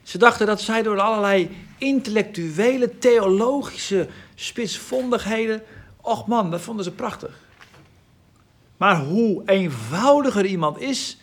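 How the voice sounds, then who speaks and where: A man giving informal Bible teaching in Dutch, reading scripture aloud and explaining it with emphasis. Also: high voice.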